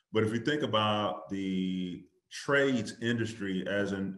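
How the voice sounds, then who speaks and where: A man's fairly low voice with audible room echo. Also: quiet background. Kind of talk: webinar talk. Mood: encouraging, earnest. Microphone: video call.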